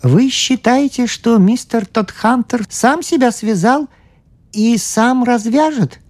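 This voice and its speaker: A woman voicing a meek, excitable male priest who bursts into high, drawn-out exclamations. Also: dry recording. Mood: eager.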